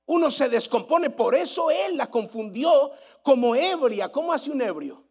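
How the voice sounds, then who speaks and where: A male pastor preaches with emphasis, repeating phrases for weight and posing rhetorical questions to his congregation. His voice is very high-pitched and sing-song, unhurried, with a darkish tone.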